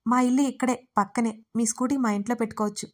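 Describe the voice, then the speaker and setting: A woman voicing a polite, earnest young man who asks gently and insistently, in a storybook reading. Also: on the high side, steady tone, fast talker, natural voice. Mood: courteous.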